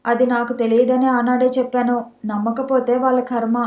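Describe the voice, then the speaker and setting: A woman reading a young male doctor, serious, defensive, mellow tone, roomy. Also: a little high, flat delivery, moderate pace, lightly acted. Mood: troubled.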